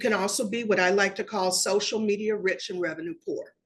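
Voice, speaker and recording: The woman speaks at a moderate pace and medium pitch, with ordinary pitch variation. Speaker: sales consultant. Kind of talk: conference talk. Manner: animated.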